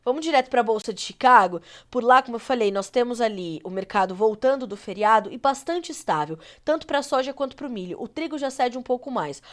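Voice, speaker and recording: A Brazilian woman with a cold anchoring a live agribusiness news show, her voice nasal and congested as she runs through market prices. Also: on the high side. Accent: Brazilian Portuguese. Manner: brisk, reads prices in a steady run.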